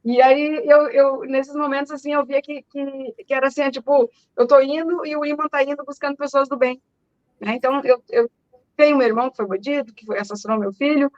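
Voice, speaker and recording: Earnest high-voiced woman, lo-fi audio. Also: steady tone, no room sound. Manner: talks fast and earnestly, repeats words; self-described loud speaking voice. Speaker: guest, mother. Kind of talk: emotional personal testimony.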